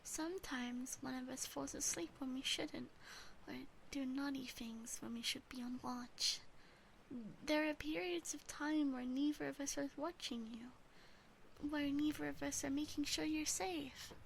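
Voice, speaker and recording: A woman voicing a teasing, obsessive yandere demon sister in an ASMR roleplay, breathy and often whispering, gently doting and possessive. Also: high-pitched, fairly even intonation, measured pace, a little hiss or hum, low-quality recording.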